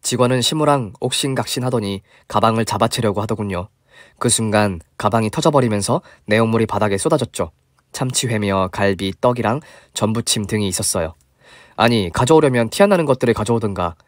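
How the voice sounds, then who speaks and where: A man's voice: fairly low pitch, fairly quick, no echo, studio quality. A man giving scripted storytelling narration in a chatty, confiding manner.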